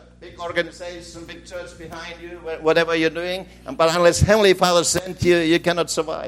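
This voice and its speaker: Against noticeable background noise, a man with a high voice speaks in a monotone, flat intonation. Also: moderate pace, big swings in loudness. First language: English (speaking Japanese). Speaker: missionary preacher. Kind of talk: sermon delivered through an interpreter. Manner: halting, in short phrases for interpretation.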